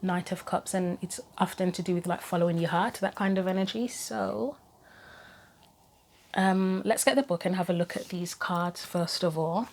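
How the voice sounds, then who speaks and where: Woman reading tarot, voice going hoarse. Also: lowish voice, moderate pace, a little mellow. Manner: musing, chatty, reads guidebook passages aloud. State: losing her voice, throat going. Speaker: tarot reader. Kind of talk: solo tarot reading for viewers.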